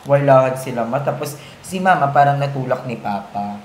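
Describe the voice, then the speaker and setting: A woman from Pangasinan with a strikingly deep voice shares childhood memories as a podcast co-host. She talks in an animated, candid way. The room is echoey and faint noise sits underneath. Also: moderate pace. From Philippines, Pangasinan. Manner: animated storytelling, emotional and candid. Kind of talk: casual podcast chat. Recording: roomy echo, faint background noise.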